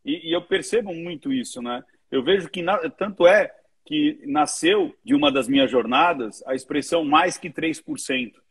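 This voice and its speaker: A man with a Brazilian Portuguese accent hosting a casual interview, talking quickly and conversationally. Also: fairly high pitch, husky. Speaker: interview host. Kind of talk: casual interview over a live video call.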